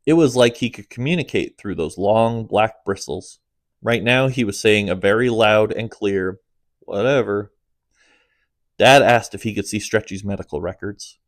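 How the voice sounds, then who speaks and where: A man narrating his own comic audiobook in a steady storytelling manner, dropping low at the ends of phrases. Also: normal speed, dry recording, clean studio sound.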